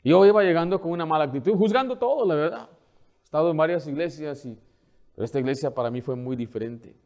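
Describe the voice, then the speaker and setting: A man preaches a sermon in a fairly high voice. He throws out questions and answers them himself, and shifts between quiet asides and loud, pressing exhortation. He slows down to read scripture aloud. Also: gravelly. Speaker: pastor.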